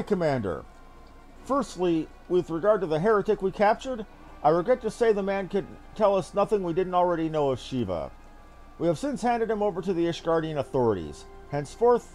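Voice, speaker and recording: Man playing a formal, animated military captain. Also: high voice. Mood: formal, reporting. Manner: formal, archaic, measured. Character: dutiful, verbose military captain giving a formal report. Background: game music.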